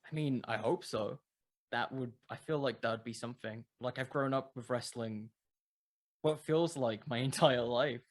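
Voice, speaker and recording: A podcast creator being interviewed chats casually as a guest, thinking aloud informally while he answers. He has a medium-pitched voice and speaks at a normal speed.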